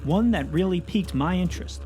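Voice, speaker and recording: A man's voice: high-pitched, fairly quick, soft background music. A man hosting a podcast, chatting casually and narrating between stories. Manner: relaxed, conversational, uses filler words. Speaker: podcast host.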